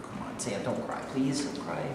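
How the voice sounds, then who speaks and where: A man's voice: medium pitch, moderate pace, creaky, close to an everyday voice. A man in a staged play reading playing a hesitant, earnest young Hasidic student torn between his parents and girlfriend. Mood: awkward, tender. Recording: roomy echoing hall, distant mic, hiss.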